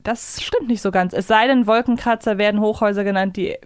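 A woman's voice: medium pitch, steady tone, brisk, clear, resonant tone, no room sound. A woman co-hosting a fan podcast, chatting casually into a close microphone. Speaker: podcast co-host.

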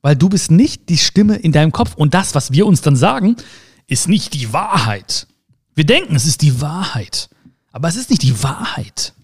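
A man's fairly high voice, with a breathy edge and a moderate pace, carries a casual motivational monologue. He talks right to the listener, using rhetorical questions and fun sound words. He sounds animated throughout.

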